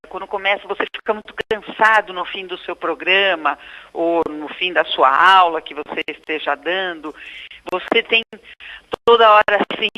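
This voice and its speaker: A woman's voice: fairly low pitch, sharp tone, dull audio. A middle-aged woman with a Brazilian Portuguese accent, a speech therapist guest on a radio show, explaining in a didactic way.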